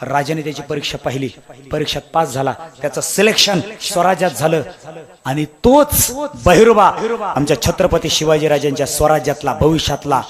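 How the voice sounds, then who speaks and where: A man preaching in a dramatic storytelling style, his voice pitched high as he swings between loud shouted lines and hushed ones. A live crowd can be heard behind him throughout. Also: animated, a little fast. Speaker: kirtan preacher. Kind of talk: devotional storytelling sermon.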